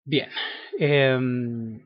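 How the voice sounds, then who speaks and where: A man teaches grammar at a slow, unhurried pace, pausing often with fillers and asking "right?" after his points. His voice is mid-pitched and sits close and dry on the mic. The recording sounds dull and lo-fi. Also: steady tone, dry recording. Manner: slow and halting, many fillers and tag questions. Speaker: language teacher. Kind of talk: online grammar lesson.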